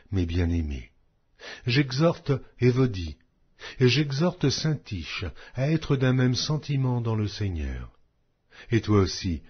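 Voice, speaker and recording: A man narrates scripture in a solemn, declamatory style. His voice is husky and moves widely up and down in pitch as he phrases each line slowly and deliberately. The recording sounds slightly dull. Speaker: Bible narrator. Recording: dull, muffled lo-fi audio.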